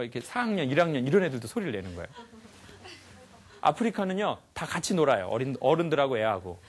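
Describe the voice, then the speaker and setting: Animated male lecturer, lively pitch. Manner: animated, asks the audience questions, acts out sounds. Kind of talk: lively life lecture to a live audience.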